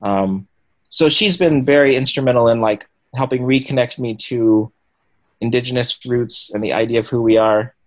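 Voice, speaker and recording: A young man talks through his answers in an interview, pausing often with ums and starting sentences over. His voice sits at an ordinary middle pitch, and his delivery is reflective rather than polished. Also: poor audio. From Washington State and Cambodia. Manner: thoughtful, many ums and restarts. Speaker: guest. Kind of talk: conversational interview.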